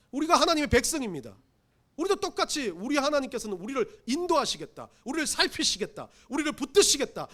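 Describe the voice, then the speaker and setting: Male pastor, very high voice, animated delivery, emphatic sermon with self-deprecating asides. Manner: emphatic, acts out pleading quotes. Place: church sanctuary.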